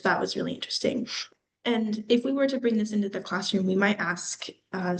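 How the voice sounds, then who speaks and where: A woman's voice: fairly low pitch, gravelly, a little hiss or hum, low-quality recording. A woman giving a presentation in a casual, explanatory way, often using fillers like "um" and "like". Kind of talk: conference presentation.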